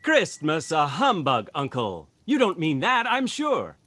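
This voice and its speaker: Man playing a cheerful nephew, wildly swooping pitch. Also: wildly swooping pitch, measured pace, bright, forceful tone, no echo, exaggerated voice. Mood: earnest pleading. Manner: earnest, exclamatory, theatrical. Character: Scrooge's cheerful, earnest, warm-hearted nephew. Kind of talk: radio play acting.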